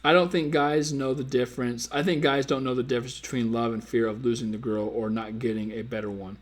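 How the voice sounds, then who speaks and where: A man's voice: medium pitch, steady tone, fairly quick. A man hosting a dating-advice live stream, casually reading viewer comments and teasing them in a playful, slangy way.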